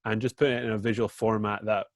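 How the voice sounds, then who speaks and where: A man's voice: lowish voice, level tone, quick pace, no room sound, studio quality. A man with a British accent walks through a data dashboard while sharing his screen on a video call, informal and full of fillers. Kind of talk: screen-share presentation in a video meeting.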